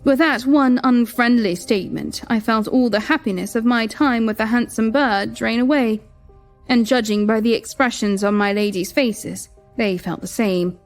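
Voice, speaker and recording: A young woman narrating in first person as a queen, measured and reflective. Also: on the high side. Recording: music bed behind.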